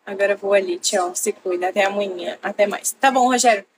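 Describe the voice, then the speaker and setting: Streaming live from her bedroom through a laptop mic, a young woman chats with viewers and thanks them by name. Her medium-pitched voice is brisk, and the background is noisy.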